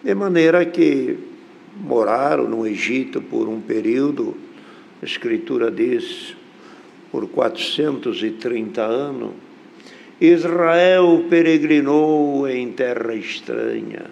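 An older man with a Brazilian Portuguese accent preaching a sermon from a church pulpit into a stand mic, slow and deliberate with emphatic rises. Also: medium pitch, sing-song, gravelly, a little mellow, slight background noise.

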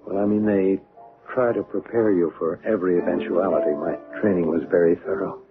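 An actor playing a small, mysterious male stranger in a radio drama, earnest and quietly insistent. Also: deep voice, steady tone, brisk, over music, natural voice. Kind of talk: 1970s radio drama acting. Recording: narrow tinny old radio broadcast.

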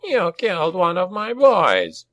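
A man voicing an aggrieved, menacing goblin shaman with a rasping voice and rough, ungrammatical speech, in an audiobook. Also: sits high, wildly swooping pitch, a little slow, fairly bright tone, no echo, clean studio sound, voice pushed up, exaggerated voice. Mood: menacing anger. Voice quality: raspy. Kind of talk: acted audiobook dialogue.

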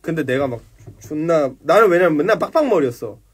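Husky-voiced young man telling a story. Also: fairly high pitch, animated, fast. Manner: rambling, profane, acts out quoted dialogue. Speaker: livestream host. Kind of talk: casual livestream storytelling.

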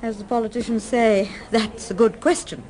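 An actress in a radio drama playing a poised, caring, practical wife with a brisk, well-mannered delivery. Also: female voice, on the high side, fairly even intonation, warm tone, slight background noise, close to an everyday voice. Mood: polite, wry.

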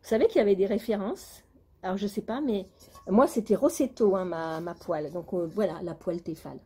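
A woman's voice: mid-range voice, fairly quick, warm tone, slightly rough, faint music behind. Chatty complaining woman vlogger. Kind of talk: casual chat.

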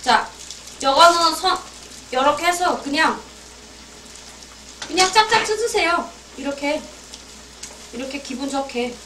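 A high, bright-voiced woman chats playfully as she cooks, talking half to her viewers and half to herself. She sounds a little distant from the camera in an echoey kitchen. Faint sizzling and frying go on behind her. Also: animated, unhurried, long pauses, slight background noise. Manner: playful, talks to herself while cooking, giggly. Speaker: cooking vlogger. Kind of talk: chatty cooking demonstration. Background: frying and sizzling food.

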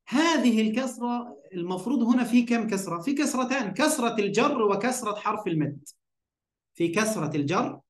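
High-voiced Egyptian man teaching grammar. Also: reverberant. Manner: poses questions and answers them himself, keeps checking understanding. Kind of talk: online grammar lesson.

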